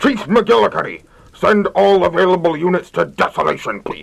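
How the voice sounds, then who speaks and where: A man's put-on character voice, high in pitch. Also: moderate pace. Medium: audio drama.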